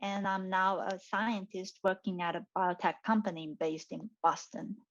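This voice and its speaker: A woman from Taiwan with a Taiwanese accent, speaking casually and thoughtfully with halting, repeated phrases as she gives advice. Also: medium pitch, little pitch movement. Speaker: scientist mentor being interviewed. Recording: dull, muffled lo-fi audio.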